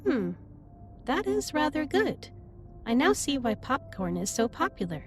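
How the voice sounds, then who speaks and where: A woman playing a gentle, earnest female alien starship captain in an audio roleplay, speaking in formal, precise sentences straight to the listener. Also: sits high, very animated, a little slow, faint music behind, exaggerated voice. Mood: content, earnest. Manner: formal, precise, slightly stilted wording.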